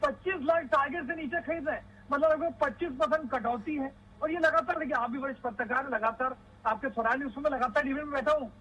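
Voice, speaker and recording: A man's voice: very high voice, fast, hardly any pauses, bright, forceful tone, lo-fi sound. A man speaking as an opposition spokesperson in a TV debate, pressing accusing questions in a combative way. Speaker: opposition party spokesperson on a TV panel. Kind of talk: political TV debate.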